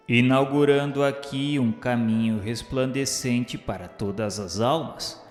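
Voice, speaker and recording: A Brazilian man narrates in a solemn, reverent, formal style, like a religious radio novela. His delivery is slow and measured at a middle pitch. The voice rings in a long, roomy reverb with music underneath.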